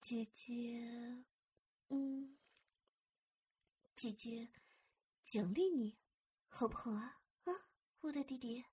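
Woman doing a super breathy husky big sis voice, slow and coaxing, whispers a lot, right up on the mic. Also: on the high side, mellow, heavily acted. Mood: soothing, tender. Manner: coaxing and soothing, often whispered. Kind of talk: intimate audio roleplay.

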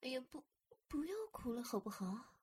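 Breathy, doting older sister, voiced by a woman. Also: on the high side, animated, fairly quick, a little mellow. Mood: soothing, tender. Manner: coaxing and soothing, often whispered. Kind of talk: intimate audio roleplay.

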